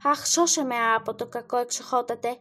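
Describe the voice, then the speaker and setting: A woman reading the part of a frightened, haggling peasant woman in an audiobook, pleading and shrill. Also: darkish tone, lightly acted. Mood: panicked.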